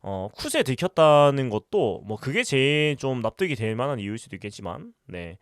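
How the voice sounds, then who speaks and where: A man with a Busan accent hosts a casual livestream, reading and answering chat comments. He talks fast with lots of fillers. His pitch jumps around a lot, and the dry, close mic leaves no room sound. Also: very animated, dry recording. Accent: Busan Gyeongsang dialect with western Gyeongsang touches. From Busan, South Korea. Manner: talkative, reads out and answers chat questions, many fillers. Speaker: livestream host.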